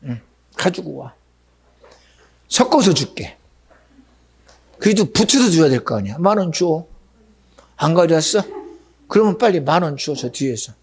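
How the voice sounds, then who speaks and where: A pastor delivering a sermon in a lively, conversational way, often asking his congregation questions. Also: a little high, measured pace, long pauses, slightly rough. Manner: animated, conversational preaching with rhetorical questions. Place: church sanctuary.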